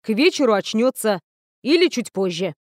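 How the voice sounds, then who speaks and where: A woman's voice: on the high side, very animated, moderate pace, no echo, studio quality. A woman voicing an insolent, mocking young nobleman mage in a fantasy audiobook.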